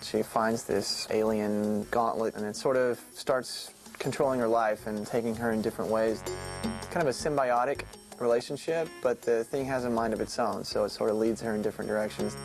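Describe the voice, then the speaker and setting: A comic book artist with a gravelly, creaky voice talks in a loose, hesitant way. Faint music plays softly underneath. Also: male voice, fairly low pitch, steady tone, moderate pace, poor audio. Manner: casual, hesitant with fillers. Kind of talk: documentary interview.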